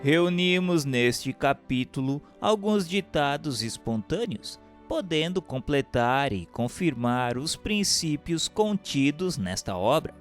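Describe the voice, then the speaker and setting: With soft music underneath, a man with a fairly high, very animated voice reads slowly and with few pauses. The piece is a spiritist text, delivered solemnly and formally, with the odd stumble.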